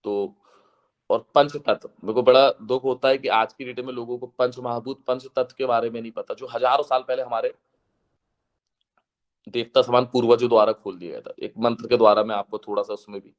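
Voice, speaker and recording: Earnest man lecturing with a slightly hoarse voice. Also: mid-range voice, fairly even intonation. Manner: earnest, preaching, recites verses in a slow chant. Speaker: guest speaker. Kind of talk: devotional lecture to a seated audience.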